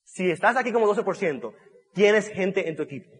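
A man's voice: high-pitched, animated, brisk, slightly rough. A man giving an emphatic motivational talk to an audience, repeating key phrases and restarting mid-sentence. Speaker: motivational speaker at a business event. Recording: long reverb of a large hall.

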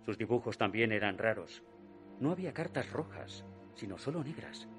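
A man's voice: fairly low pitch, big pitch swings. A man voicing a haunted man in his thirties. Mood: uneasy. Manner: measured, hushed storytelling that drops to a near whisper at dark moments. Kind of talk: radio drama narration. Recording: narration over music. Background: music.

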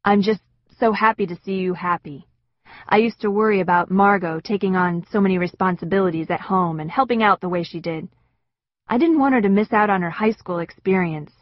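A woman voicing a kind, sentimental middle-aged father who speaks softly. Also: mid-range voice, brisk, no room sound, highs cut off, lightly acted.

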